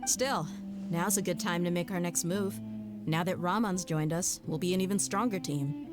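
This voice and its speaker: A woman playing a confident, worldly adventurer in a video game, with an expressive, assured delivery. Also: fairly low pitch, normal speed, over music, lightly acted. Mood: determined.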